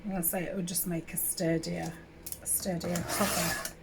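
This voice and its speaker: A woman with a sore throat from a summer cold and a slightly hoarse voice, chatting casually and rambling with many fillers as she works through a craft tutorial at home. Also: fairly low pitch, flat delivery, normal speed, heavy background noise. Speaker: craft channel host.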